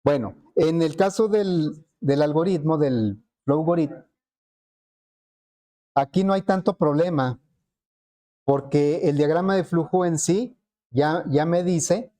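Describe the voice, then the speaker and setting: Male teacher, mellow, slightly high voice; patient classroom explainer. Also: takes it slowly, pauses often. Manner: explanatory, frequent rhetorical questions to students. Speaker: programming teacher. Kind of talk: classroom lecture.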